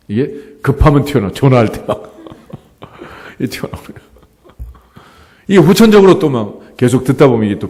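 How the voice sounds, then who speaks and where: A middle-aged male pastor preaching a sermon in a lively, conversational way, often asking the congregation rhetorical questions. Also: on the low side. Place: church sanctuary. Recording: church hall with long reverb.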